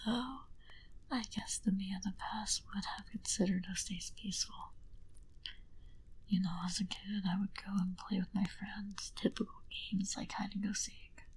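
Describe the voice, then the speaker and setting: A woman playing an aloof, condescending centuries-old vampire in an ASMR roleplay, speaking in a soft breathy whisper with slow, deliberate haughtiness. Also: mid-range voice, close to an everyday voice, rough recording.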